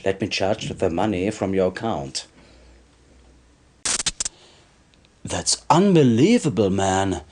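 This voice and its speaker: An actor playing a cocky, greedy black-market arms dealer in a video game cutscene, delivering a smug salesman's patter. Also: mid-range voice. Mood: smug, persuasive.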